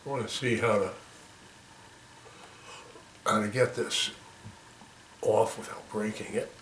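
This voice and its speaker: A man with a lowish voice talks through a repair as he does it. He is careful and halting, thinking aloud in a casual way. The sound is roomy and distant from the mic, with faint noise behind him. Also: steady tone, a bit bright. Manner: careful, halting, talking while working. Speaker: volunteer repairer demonstrating a fix.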